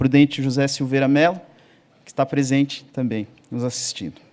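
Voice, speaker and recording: Fairly quick male speech, fairly high in pitch. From southern Brazil, Santa Catarina (Araranguá); Santa Catarina, Brazil. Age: 50s. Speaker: labour lawyer; candidate. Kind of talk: formal address to a council hearing. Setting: speaking from a rostrum before a live audience. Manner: formal. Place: hall. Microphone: podium.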